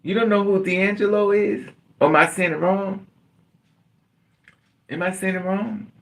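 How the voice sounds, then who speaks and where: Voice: medium pitch, fairly even intonation, measured pace, gravelly. A middle-aged livestream host chatting casually and candidly with viewers, laughing often and calling on them by name.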